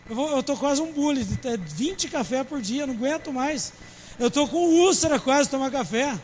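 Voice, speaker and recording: A man's voice: very high-pitched, lively intonation, normal speed, a little mellow, big-room sound, slight background noise, poor audio. A man, a pastor preaching a sermon with humor and acting out church members in dialogue. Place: church service.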